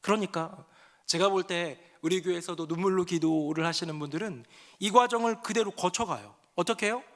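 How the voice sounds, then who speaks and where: A man delivering a Sunday sermon from the pulpit, his voice sitting high for a man. He moves between quiet, reflective passages and raised, emotional outbursts, acting out the prayers he describes. Expressive preaching style. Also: a little fast. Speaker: pastor.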